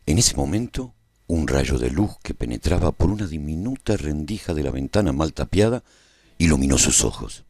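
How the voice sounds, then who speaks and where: A battle-seasoned adventurer played by a man tells his tale as a radio serial narrator. The voice is very low, with dramatic, widely swinging intonation. The sound is dry and close. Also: animated, normal speed, a little mellow, husky, no echo, heavily acted. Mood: dramatic, solemn. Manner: dramatic, storytelling. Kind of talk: scripted dramatic first-person narration.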